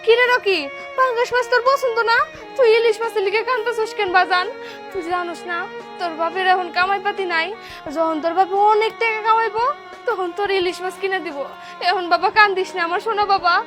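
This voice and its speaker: A woman playing a poor mother who scolds with sharp questions and then soothes. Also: very high-pitched, fairly even intonation, fast talker. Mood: tender soothing. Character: poor rural mother, stern then tender. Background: background music.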